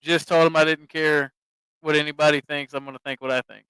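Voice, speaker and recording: Bright, clear Southern man ranting. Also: a little high, brisk, dry recording, rough recording. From American South. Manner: animated, profane, mocking. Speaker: streamer host. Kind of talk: casual stream commentary.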